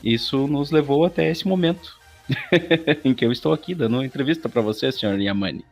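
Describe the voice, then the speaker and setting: A man's voice: mid-range voice, a little fast, vocal fry, faint music behind. A man in his thirties giving casual interview answers as a guest, acting out his own past thoughts as he tells stories. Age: 30s. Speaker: interview guest, aspiring voice actor.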